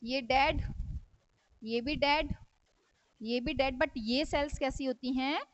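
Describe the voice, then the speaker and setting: Speaking slowly with a high voice and fairly even intonation, a female teacher gives a classroom science lecture. She puts questions to the class, supplies the answers herself, and mixes in English terminology. The recording is dry, dull, and lo-fi, with no room sound.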